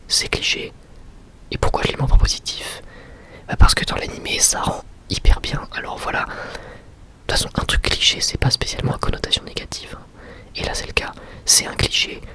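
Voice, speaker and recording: A young adult man gives an informal, slangy ASMR review in a breathy, unvoiced whisper. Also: mid-range voice, bright, forceful tone. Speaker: ASMR creator and anime reviewer.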